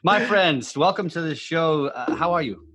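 A man hosting a podcast, introducing his guest in an energetic, hype style. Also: fairly high pitch, normal speed, husky, no room sound. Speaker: podcast host. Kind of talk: podcast interview.

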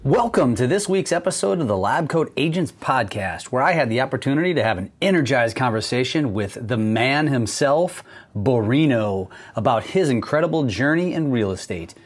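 Energetic male podcast host. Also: mid-range voice, moderate pace, husky, no room sound. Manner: energetic, hype-style introductions. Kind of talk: podcast interview.

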